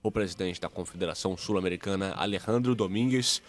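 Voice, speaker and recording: Brisk male news voice-over. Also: low voice. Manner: brisk dubbing of interviewees. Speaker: news reporter voicing a report.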